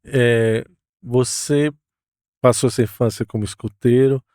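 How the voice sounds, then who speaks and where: A man's voice: medium pitch, fairly even intonation, slow pace, a little mellow, clean tone, no room sound, studio quality. A man hosting a podcast interview, talking in an enthusiastic, welcoming way. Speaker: podcast host.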